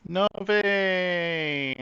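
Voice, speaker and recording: A man's voice: sits high, extremely slow, pushed and bright, smooth, lo-fi sound. A man casually chatting with his live-stream audience while setting up soldiers in a game, often trailing off and restarting.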